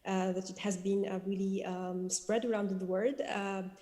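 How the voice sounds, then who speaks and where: A woman's voice: mid-range voice, flat delivery, normal speed, mellow. A woman from Tunisia, a space engineer speaking earnestly on a panel with frequent ums. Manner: earnest, fillers like um and uh. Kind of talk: panel discussion remarks. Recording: long hall reverb.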